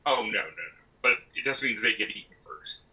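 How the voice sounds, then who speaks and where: Male tabletop player, casual table talk, mid-pitched, very sharp bright tone. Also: fairly even intonation, a little fast, low-quality recording.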